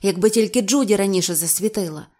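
A woman voicing a flustered young man, a cameraman, who talks anxiously and shouts. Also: medium pitch, fast talker, natural voice.

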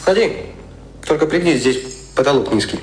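A man acting a brash, domineering media boss in a radio drama, speaking in a blunt, slangy way with a husky voice. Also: a little high, expressive, normal speed, background noise, lightly acted. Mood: offhand, brusque.

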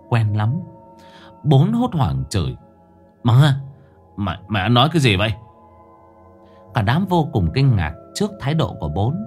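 A man narrating a horror story with a dramatic reading style, slowing down for suspense. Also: lowish voice, dark tone.

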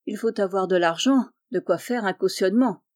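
A woman's voice: mid-range voice, moderate pace, darkish tone, dry recording, clean studio sound, lightly acted. A woman reading aloud, voicing a poor young café waiter who answers timidly and humbly. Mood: humble.

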